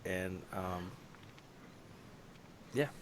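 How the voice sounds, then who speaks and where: A man's voice: low-pitched, drawn-out words, slight background noise. A man chatting casually as a player in an improvised roleplaying game, with a hesitant, drawling delivery.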